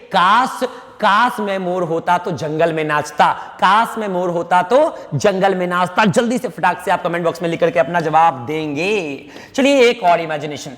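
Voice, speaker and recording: Casting note male tutor, high voice, unhurried lecture delivery, long reverb on the track. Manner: drawn-out dictation of example sentences, coaxing. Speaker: English teacher. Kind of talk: classroom-style grammar lesson.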